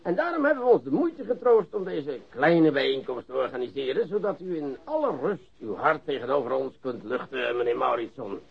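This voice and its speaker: An actor playing a falsely polite, relentless police interrogator in a radio play, mock-courteous, with theatrical, drawn-out emphasis. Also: male voice, medium pitch, very animated, gravelly, slightly rough, exaggerated voice. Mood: mockingly polite. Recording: dull lo-fi radio recording.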